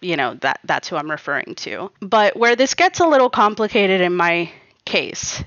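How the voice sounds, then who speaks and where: A normal speaking voice moves along at a moderate pace. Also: woman. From Miami, US. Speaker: podcast guest. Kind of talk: casual interview chat.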